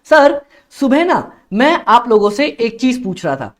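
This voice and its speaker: Energetic, coaxing male tutor, live class. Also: very high-pitched, unhurried. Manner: energetic, coaxing, repeats phrases, reads chat aloud. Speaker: accountancy exam tutor. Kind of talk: live-streamed online lecture.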